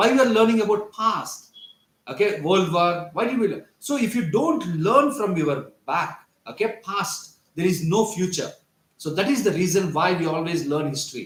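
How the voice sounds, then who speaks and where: Speaking in an Indian accent, a man uses a high pitch and lively intonation at a moderate pace. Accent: Indian English (Telugu). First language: Telugu. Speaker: company CEO giving a career talk. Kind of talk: lecture. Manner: conversational, repetitive.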